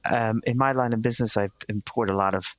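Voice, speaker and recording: A man voicing a smooth, genial Turkish businessman and boss in a tabletop game, charming and shrewd. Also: lowish voice, steady tone, fast talker, no echo, lightly acted.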